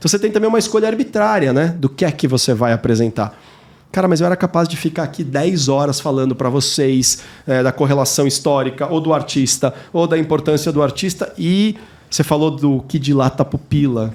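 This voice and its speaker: This man has a fairly high voice and an animated tone, speaking at a fairly quick pace with lively intonation and very even loudness. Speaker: podcast co-host, music history teacher. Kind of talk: casual chat. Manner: fast.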